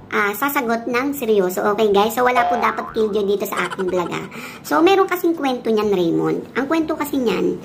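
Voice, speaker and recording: A woman's voice: a little high, vocal fry, a little hiss or hum. A woman vlogger telling a silly story in a playful, casual way, often laughing.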